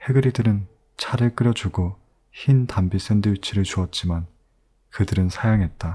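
A man speaks at a moderate pace with a fairly low pitch and ordinary pitch variation. His tone is dark and mellow and somewhat breathy. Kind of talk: audiobook narration.

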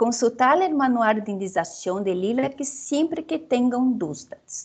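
A woman's high voice with very wide pitch swings. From Brazil. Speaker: librarian trainer. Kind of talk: online training quiz. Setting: video call. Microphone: video call.

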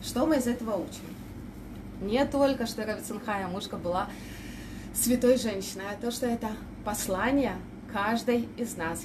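Noticeable background noise accompanies a woman talking at a moderate speed, her fairly high pitch varying in an ordinary way. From Belarus, Pinsk; Belarus. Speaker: Torah teacher. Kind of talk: online Torah lesson. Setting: live stream broadcast. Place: home room. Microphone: phone near.

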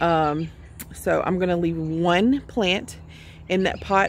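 A woman's voice in a dry, echo-free sound over light background noise. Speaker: home gardener vlogger. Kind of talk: casual vlog chat. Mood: relaxed, cheerful. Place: garden. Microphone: phone near.

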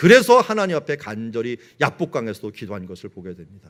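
Talking at a fairly quick pace, a man shows vocal fry and very wide pitch swings. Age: 50s. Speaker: pastor. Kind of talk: sermon.

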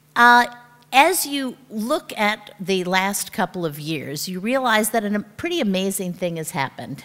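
Against a quiet background, a woman speaks at a moderate pace in a bright, sharp tone. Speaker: speaker. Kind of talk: speech. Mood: warm, lightly humorous. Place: hall. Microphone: podium.

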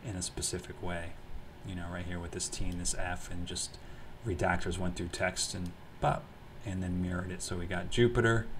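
A man with a very deep, low pitch speaks at a fairly quick pace, somewhat breathy and in a flat monotone. Room echo is audible. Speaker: video essayist. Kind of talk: lecture. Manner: halting.

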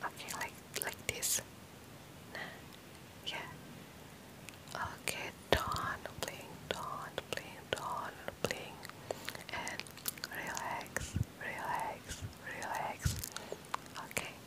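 Very slow whispering is broken by long, frequent pauses. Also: woman. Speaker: ASMR creator. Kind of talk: ASMR role-play cranial nerve exam, instructing the listener. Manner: soft, whispery, calming. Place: home room. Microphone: studio mic.

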